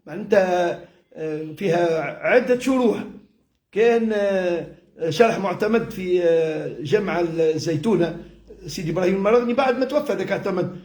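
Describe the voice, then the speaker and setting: High-pitched Tunisian man teaching, echoey room. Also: brisk, darkish tone. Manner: explanatory, repeats and rephrases with everyday examples. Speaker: religious teacher, sheikh. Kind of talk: informal religious lesson mixing classical Arabic and dialect.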